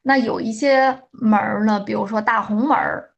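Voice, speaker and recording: A young woman with a Beijing accent, a guest explaining local speech in a measured, thoughtful way. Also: medium pitch, fairly even intonation, creaky, muffled recording. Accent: Beijing Mandarin. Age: young adult. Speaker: guest co-host. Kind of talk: casual explanatory chat.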